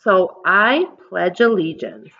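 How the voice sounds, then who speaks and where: Animated American woman teacher, slightly dull recording. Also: medium pitch, takes it slowly. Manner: simple explanatory teaching, asking questions to young listeners. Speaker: elementary school teacher. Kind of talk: children's picture-book read-aloud with explanations.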